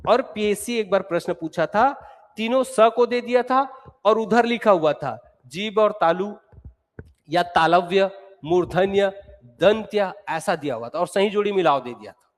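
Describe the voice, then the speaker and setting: A man's voice: high voice, a little slow. A male teacher giving an exam-prep lecture, explaining step by step and repeating sounds aloud to drill them. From Chhattisgarh, India. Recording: long hall reverb.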